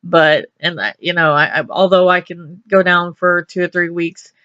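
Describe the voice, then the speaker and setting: Casual lady host, from texas, chatty and upbeat, bright tone, dry dull sound. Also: on the low side, fairly even intonation, normal speed, clear, resonant tone, no room sound. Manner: chatty and upbeat, many restarts and laughs. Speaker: radio show host. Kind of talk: casual interview chat.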